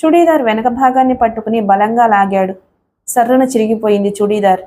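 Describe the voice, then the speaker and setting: A woman narrating an audio story with a steady, dramatic reading. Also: on the high side, fairly quick, a little hiss or hum.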